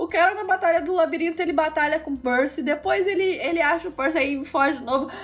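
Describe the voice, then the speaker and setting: Delivery is very fast and animated, with hardly any pauses, ordinary pitch variation, and noticeable background noise. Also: woman, extremely high pitch for a woman. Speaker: podcast co-host. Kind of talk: casual chat.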